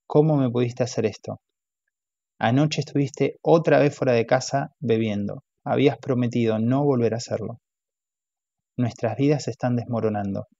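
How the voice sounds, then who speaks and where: A man's voice: mid-range voice, moderate pace, vocal fry, mellow, no echo. A man voicing a hurt, angry wife with a clipped, martyr-like manner, in a dull, dry audiobook recording.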